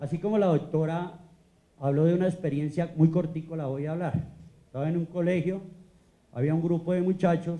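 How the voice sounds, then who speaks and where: Fairly high in pitch, a man speaks in a dark, mellow tone. He keeps a moderate pace and fairly even intonation. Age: 60s. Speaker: educator. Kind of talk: panel discussion.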